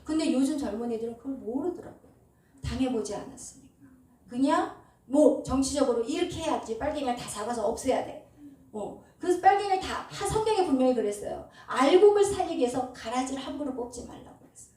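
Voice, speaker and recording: High-voiced woman pastor preaching in an echoey hall. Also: lively intonation, a little fast, mellow. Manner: emphatic preaching with call-and-response. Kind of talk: sermon. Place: church sanctuary. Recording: echoey hall, distant mic.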